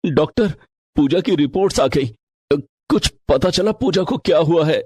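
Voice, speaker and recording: A caring, gentle young husband, voiced by a man for a cartoon. The voice is husky and sits in a middle pitch. It is recorded close and dry. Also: animated, measured pace, no echo. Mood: concerned. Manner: gentle, concerned.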